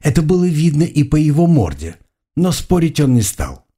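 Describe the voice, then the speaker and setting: A man's voice: a little high, moderate pace, husky. A man narrating a first-person adventure audiobook expressively. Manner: expressive, shifting voices for dialogue.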